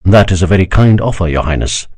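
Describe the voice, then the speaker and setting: A man's voice: low voice, sing-song, fast talker, darkish tone, slightly rough, heavily acted. A man reading a young tribal chief who answers with polite deference.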